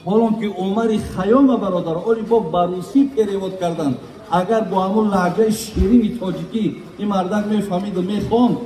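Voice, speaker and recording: A man's voice: high-pitched, fairly even intonation, mellow, a little hiss or hum. A man with a Tajik accent gives an earnest wedding sermon as a preacher, often addressing his listeners as brothers. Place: large echoey hall at a wedding. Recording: echoey hall, voice from far off.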